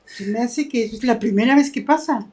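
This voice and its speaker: A woman, co-hosting a political talk show in a dry, measured way. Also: on the high side, mellow. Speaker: co-host. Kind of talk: political chat.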